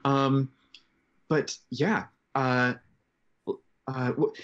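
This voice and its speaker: A man in his twenties speaks as a guest in a casual interview. His delivery is reflective and halting, with a medium pitch. The sound is a little dull, like a headset on a video call from a bedroom. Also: steady tone. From grew up in Japan, Canadian. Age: 20s. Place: bedroom at home. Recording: slightly dull, band-limited video call.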